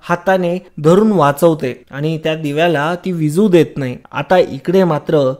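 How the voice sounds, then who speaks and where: Recap narrator for a TV serial, mid-pitched, slow and drawn out, heavy on fillers. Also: a little mellow. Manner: slow storytelling with repeated fillers.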